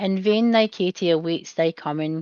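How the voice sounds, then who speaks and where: Someone speaks with a Scottish accent, the sound dry and close with no echo. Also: woman. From central Scotland. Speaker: podcast host. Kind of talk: reading aloud; casual chat. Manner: halting over dialect words.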